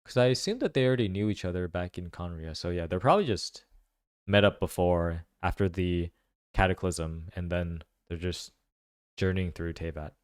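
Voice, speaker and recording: A man giving casual reaction commentary, thinking aloud in halting phrases. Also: low-pitched, smooth, dry recording, clean studio sound. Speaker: video commentator.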